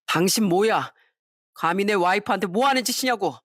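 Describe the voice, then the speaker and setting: A woman's voice: mid-range voice, moderate pace, dry recording, studio quality, natural voice. A woman voicing an angry middle-aged husband who confronts the man bothering his wife, in a harsh, commanding way. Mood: furious. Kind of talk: dramatized story reading.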